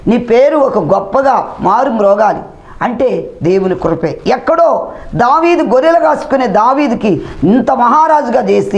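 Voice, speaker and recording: A male pastor preaching a sermon, calling out hallelujah and amen and repeating scripture verses after they are read. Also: sits high. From India. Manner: echoes the scripture reader's words back. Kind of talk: Telugu sermon with Bible readings.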